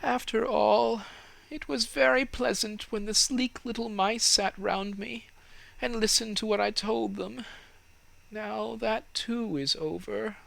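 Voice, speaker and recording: A man's voice: high-pitched, fairly even intonation, takes it slowly, creaky, fairly bright tone, pitched above the performer's own voice, heavily acted, poor audio. A man voicing a naive, wistful young fir tree in a storybook, earnest and plaintive.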